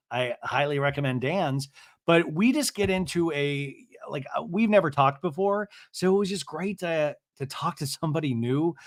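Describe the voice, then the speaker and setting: Higher-voiced American man, slightly raspy podcast host. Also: no room sound, clean studio sound. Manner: excitable, rambling, slangy asides. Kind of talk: chatty podcast monologue to listeners.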